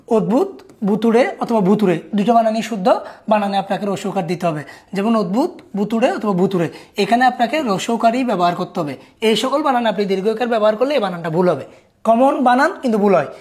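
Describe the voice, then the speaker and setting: A woman's voice: medium pitch, a little mellow. A woman, a teacher giving a recorded spelling lesson, explaining patiently and often telling listeners to look closely.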